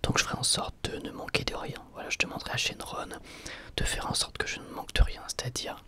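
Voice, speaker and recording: A man whispering softly in an ASMR question-and-answer video, pausing often on hesitant fillers. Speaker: ASMR channel host.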